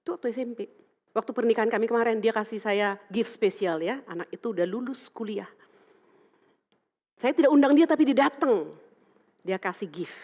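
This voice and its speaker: A middle-aged woman pastor preaching to her congregation, her fairly high voice jumping up as she acts out each exchange. The sound is a bit dull and carries a long reverb from the hall. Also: a little fast, long pauses. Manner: animated, acts out dialogue in quoted voices. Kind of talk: sermon with storytelling. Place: church hall.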